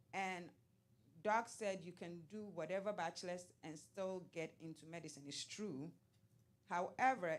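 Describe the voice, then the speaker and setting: A woman's voice of medium pitch moves along at a moderate tempo. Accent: African. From Africa. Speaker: laboratory scientist panelist. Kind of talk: panel talk.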